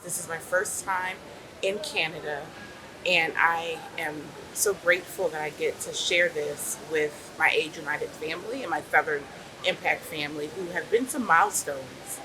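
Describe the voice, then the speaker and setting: A woman from the American South speaks in a measured, grateful way, her voice notably low for a woman. She is a legal policy director giving a testimonial at a busy conference. Crowd chatter fills the background. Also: poor audio. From New Orleans, US South. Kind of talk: short testimonial interview.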